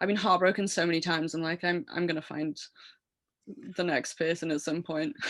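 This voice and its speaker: The speaker has a Geordie accent and a fairly quick pace. Pitch varies in an ordinary way. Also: woman. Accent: Geordie (Newcastle). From northern England, Newcastle. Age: 30s. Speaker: musician. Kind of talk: casual chat.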